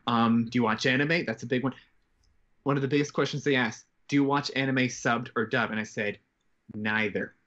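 A man in his twenties from Canada and Japan, talking reflectively and haltingly as a guest in a casual interview. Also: mid-range voice, fairly even intonation, fairly bright tone. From grew up in Japan, Canadian. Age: 20s. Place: bedroom at home. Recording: slightly dull, band-limited video call.

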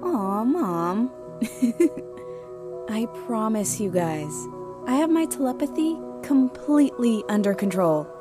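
A woman plays a reassuring college-age daughter in an audio drama. She speaks naturally and slowly with lively intonation, and music plays behind. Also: on the high side.

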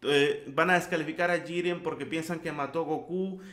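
Excitable man with a Mexican accent. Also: on the high side, brisk. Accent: Mexican Spanish. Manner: slangy, excitable, makes sound effects. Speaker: anime recap YouTuber. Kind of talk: excited casual recap. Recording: roomy echo.

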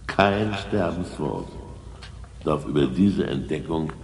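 An actor playing a grave, secretive explorer in an audio drama, with solemn, ominous, drawn-out delivery. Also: male voice, lively intonation, darkish tone, heavily acted. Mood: solemn, conspiratorial. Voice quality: very deep, creaky. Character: grave, secretive male explorer guarding a discovery. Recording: echoey cavernous reverb, faint noise.

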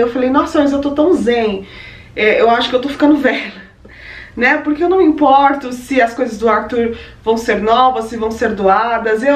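Brazilian Portuguese accent, young woman, effusive chatty vlogger, fairly high voice, echoey room, mic at a distance. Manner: chatty, effusive, addresses viewers directly. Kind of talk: casual unboxing vlog. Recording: roomy echo, distant mic, faint ambient noise.

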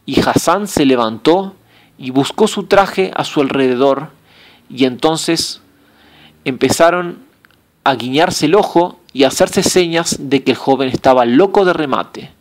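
A man reading an audiobook aloud in a measured, steady storytelling manner. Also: a little high. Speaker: audiobook narrator. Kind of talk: scripted audiobook narration.

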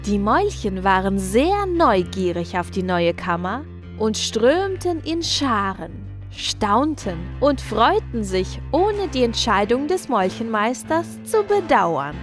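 A woman's voice: on the high side, very animated, slow, over music. A woman narrating a scripted children's story as its storyteller.

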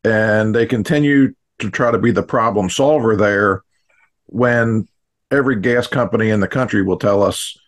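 A middle-aged American man with a husky voice, explaining his work in an interview over a video call. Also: on the low side, moderate pace. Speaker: fire command instructor and podcast guest. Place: small indoor home studio, on a video call. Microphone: studio mic on boom arm.

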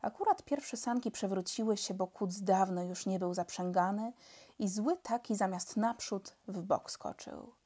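A woman reading a children's book aloud as a storyteller, steady and expressive. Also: mid-range voice, unhurried.

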